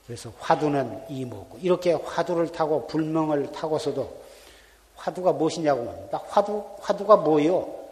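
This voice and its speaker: A man's voice: fairly high pitch, expressive, normal speed, a little mellow. A man, a Buddhist monk giving an earnest Dharma talk full of repeated rhetorical questions, recorded in a temple hall. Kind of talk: sermon.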